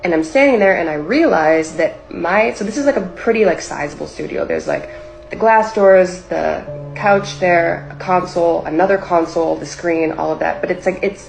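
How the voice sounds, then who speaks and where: Young woman with a gravelly, low voice. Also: darkish tone, low-quality recording. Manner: rambling, heavy use of "like" fillers. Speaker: storyteller recounting a personal experience. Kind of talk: casual spoken storytelling. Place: livestream or video setup.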